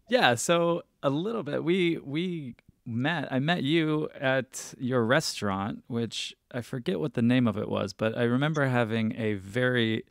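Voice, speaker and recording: A podcast host with a medium-pitched, gravelly voice conducts a casual interview, chatty and enthusiastic, rambling and often restarting his sentences. The recording is studio quality with no echo.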